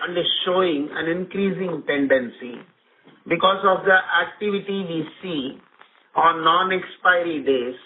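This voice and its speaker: A man with an Indian accent giving measured, formal answers as a company executive on an earnings call. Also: on the high side. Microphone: conference phone call. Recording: narrow phone line with clear noise.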